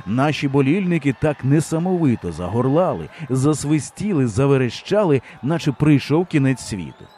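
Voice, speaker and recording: A man narrating a humorous story in an audiobook, telling it in a lively way. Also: mid-range voice, normal speed, a little hiss or hum. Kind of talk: scripted narration.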